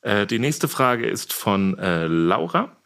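A man's voice: on the low side, big pitch swings, takes it slowly, creaky, a bit bright. A man moderating a casual podcast quiz as its host.

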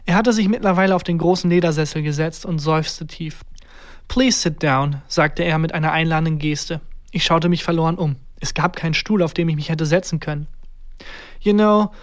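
A storyteller reading a scripted first-person story in a measured, unhurried way. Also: medium pitch, fairly even intonation.

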